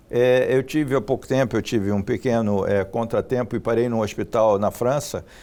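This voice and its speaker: A man talks at a moderate pace with hardly any pauses, in a medium pitch. His tone is dark and mellow, with fairly even intonation. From Brazil. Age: 60s. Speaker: shipping industry executive. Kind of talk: interview.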